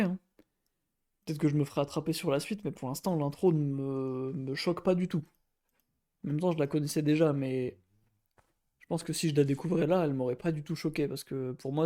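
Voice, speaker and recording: A man's voice: fairly high pitch, brisk, mellow. A man streaming his reaction to an album, talking casually and hesitantly while he searches for his words. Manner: hesitant, searching for words, fillers like "euh" and "hein". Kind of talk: casual thinking-aloud reaction.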